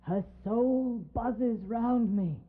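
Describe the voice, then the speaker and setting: A man's voice: very high-pitched, extremely slow, heavily acted. A man acting as a crazed, desperate madman in an audio drama, pleading and wailing in agitation. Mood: weak, desperate. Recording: thin phone-like audio with loud music behind.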